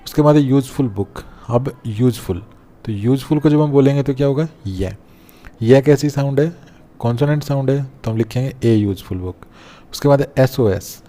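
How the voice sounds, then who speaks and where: A man teaching an English grammar lesson step by step, often pausing to check that students follow. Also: mid-range voice, dark tone. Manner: explains step by step, often checks with "theek hai na". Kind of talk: classroom-style grammar lesson.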